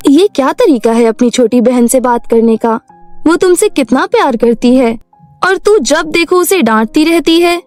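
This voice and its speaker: A loving fairy mother speaks gently and firmly to her daughters in a cartoon story, as a woman voices her. Her voice sits high and kind, with soft music under it. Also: expressive, normal speed. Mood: scolding.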